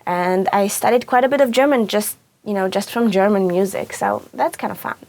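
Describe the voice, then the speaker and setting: Israeli woman talking fast, casual and chatty, lots of like and you know, hebrew is her first language. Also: medium pitch, a little mellow, slight background noise. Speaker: language teacher.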